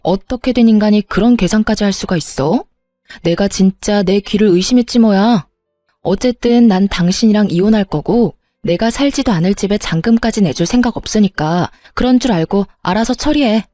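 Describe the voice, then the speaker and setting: A woman's voice: medium pitch, moderate pace, mellow, no echo, studio quality, soft background music. A woman narrating her own story in the first person, speaking in a cool, cutting and firm manner.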